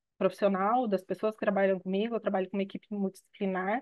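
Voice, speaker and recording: A woman speaks at medium pitch in a Paraná accent. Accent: Paraná accent, unchanged. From interior of Paraná, Brazil. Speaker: architect and urban planner. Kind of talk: webinar presentation. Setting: video call. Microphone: unstable internet connection.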